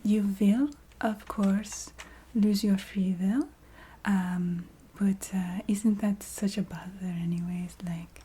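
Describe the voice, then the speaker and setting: A woman voicing a chatty, businesslike vampire recruiter in a soft whispered ASMR roleplay. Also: medium pitch, a little hiss or hum, close to an everyday voice. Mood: breezy, coaxing. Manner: hesitant, matter-of-fact, checking in with the listener.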